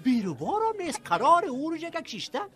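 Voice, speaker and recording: A man's voice: very high voice, huge pitch swings, noisy background, full character voice. An Afghan-accented male actor playing a cheeky, naive village man in a comic radio drama, chatty and over-polite. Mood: chummy, ingratiating.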